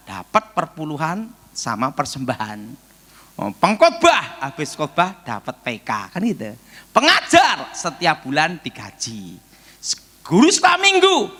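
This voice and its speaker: A male evangelist tells his story from the pulpit, voicing each person in it and calling out prayers. His voice is bright and lively, leaping up and down in pitch. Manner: animated storytelling, acts out dialogue, shouts prayers. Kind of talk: sermon testimony.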